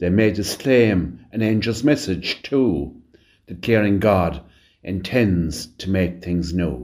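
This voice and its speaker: Over a silent background in a very clean recording, a man speaks very slowly in a very deep, low voice with vocal fry and lively intonation. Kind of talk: reading a poem aloud.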